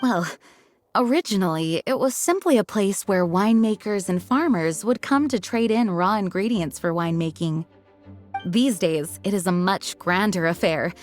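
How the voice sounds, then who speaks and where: Woman doing a calm formal lady knight, explaining things slow and even, light music under it. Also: medium pitch, lightly acted. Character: composed adult woman knight officer, formal and measured. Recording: game audio with faint music.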